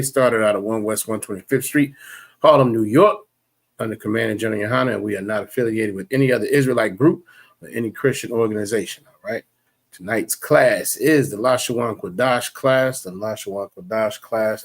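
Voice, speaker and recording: Husky low-voiced man preaching a class. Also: brisk. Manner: preachy, repetitive, many fillers and restarts. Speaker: religious class teacher. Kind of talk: livestreamed religious lecture.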